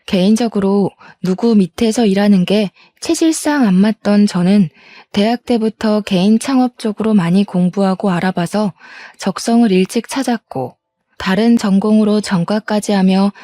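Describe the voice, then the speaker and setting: A woman's voice: medium pitch, warm tone, no echo. A woman in her thirties reading a first-person story aloud in an aggrieved, complaining tone. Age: 30s.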